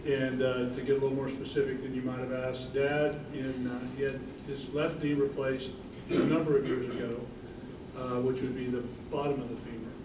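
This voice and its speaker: A man's voice: mid-range voice, little pitch movement, normal speed. A middle-aged man giving an informal thank-you speech to an audience as a family spokesperson. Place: indoor room with an audience. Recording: echoey room, distant, clearly noisy.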